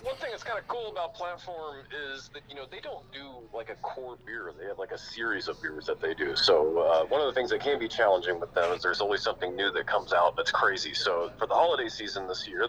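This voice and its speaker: A man's voice: lowish voice, sharp tone. A man calling in over a speakerphone, chatting casually in an easygoing, laid-back way. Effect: heard over a speakerphone. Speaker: beer distributor rep calling in. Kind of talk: casual phone chat. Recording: tinny phone speaker from a distance.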